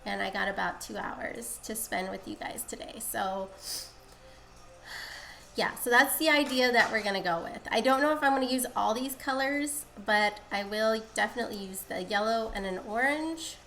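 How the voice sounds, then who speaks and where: A woman's voice: on the high side, moderate pace, vocal fry, a bit bright. Congested, nasal-sounding woman streamer. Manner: chatty, rambling explanations. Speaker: craft streamer. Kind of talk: casual live-stream dyeing tutorial. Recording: echoey room, faint background hiss.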